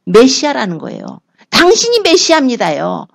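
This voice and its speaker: A middle-aged woman pastor preaching a sermon, telling the story with lively voices for the people she quotes. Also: a little high, normal speed, gravelly. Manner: animated storytelling, acting out quoted lines in shifting voices.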